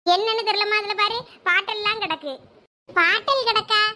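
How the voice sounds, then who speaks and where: Sulky teenage village girl, Thoothukudi Tamil accent, soft-spoken, high voice. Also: steady tone, moderate pace. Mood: chatty. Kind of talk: cartoon voice acting.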